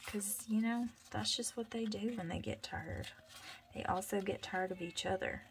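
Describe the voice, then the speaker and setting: A woman with a thick Southern US accent talks her way through a craft project in a loose, rambling vlog chat. She tends to mutter and mumble as she works, at an ordinary mid pitch. A faint hiss sits under her voice. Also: moderate pace. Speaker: crafter vlogger. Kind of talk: casual craft tutorial chat.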